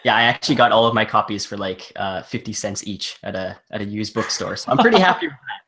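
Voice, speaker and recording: A man guesting on a casual live-stream book chat, enthusiastic and quick to agree, with frequent laughs. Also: fairly low pitch, lively intonation, fairly bright tone. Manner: enthusiastic, keeps saying it'd be amazing. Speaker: guest booktuber.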